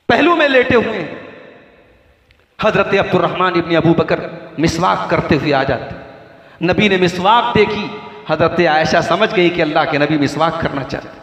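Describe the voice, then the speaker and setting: A male preacher giving an impassioned sermon, swinging between soft storytelling and loud emphasis. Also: high voice. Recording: echoey hall, long reverb.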